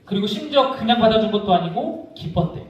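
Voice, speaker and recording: A man giving a children's sermon in a church, his high voice swooping lively between questions and storytelling. The sound is heavily echoey, captured from a distance in a large sanctuary. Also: quick pace, dull audio. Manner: animated storytelling, asks the listeners questions. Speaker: junior pastor. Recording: echoey church hall, mic far off.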